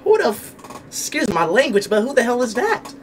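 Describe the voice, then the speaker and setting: Very high and sing-song, this young adult man's voice moves fairly quickly, with a little hiss or hum. Livestreaming from an indoor room on a headset mic, he talks casually but hesitantly and keeps repeating the same word.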